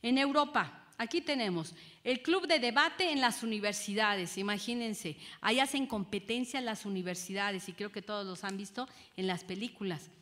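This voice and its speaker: A woman, a judge giving a lecture to an audience, lively and often asking them rhetorical questions. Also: medium pitch, moderate pace. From Mexico.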